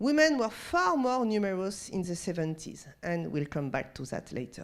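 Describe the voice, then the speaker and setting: A woman with a French accent speaks at a medium pitch and moderate pace, her pitch swinging very widely. The recording is very clean, with a silent background. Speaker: sociologist and researcher. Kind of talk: lecture. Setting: conference talk, livestreamed.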